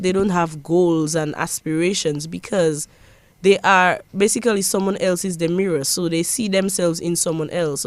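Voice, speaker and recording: A woman's voice: fairly low pitch, a little mellow, no room sound. A young woman from Dominica with a Dominican accent, a parliamentary secretary answering interview questions in an earnest, emphatic way with frequent restarts. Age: young adult.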